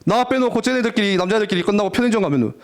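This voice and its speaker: Animated high-voiced youth preacher man. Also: rapid-fire. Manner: animated storytelling, acting out teen voices. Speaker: youth pastor. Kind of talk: lively youth sermon.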